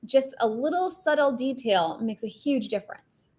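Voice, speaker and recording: A woman film director with a light, higher-pitched voice, speaking earnestly and reflectively as an interview guest. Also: expressive, normal speed, darkish tone. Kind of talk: conversational interview.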